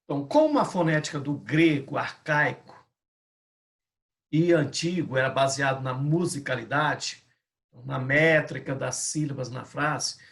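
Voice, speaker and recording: Gravelly-voiced man teaching a Greek lesson. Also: mid-range voice, a little slow, a bit bright. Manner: patient, repeats and restates points. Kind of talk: explanatory lesson.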